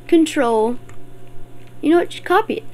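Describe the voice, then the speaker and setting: A woman giving gameplay commentary as a channel host, excitable and swearing often as she talks back at the game. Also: high-pitched, moderate pace.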